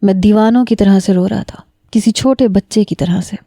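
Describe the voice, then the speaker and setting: A woman narrating a romantic story in the first person, steady and emotional. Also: mid-range voice, no room sound, clean studio sound.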